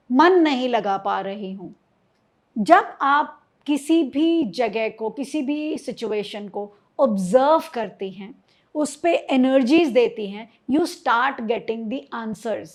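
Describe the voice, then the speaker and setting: A woman giving a motivational lesson as a manifestation coach, mixing in English phrases, asking rhetorical questions and speaking directly to her listeners. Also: high-pitched.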